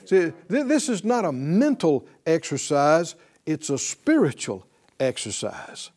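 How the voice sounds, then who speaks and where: A man preaching to his congregation, his high voice leaping up and down with lively swings of pitch. He takes his time, hammering phrases through repetition and calling for the crowd to answer back. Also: measured pace. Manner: exhorting, call-and-response with congregation; repeats phrases for emphasis. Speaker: pastor. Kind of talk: sermon.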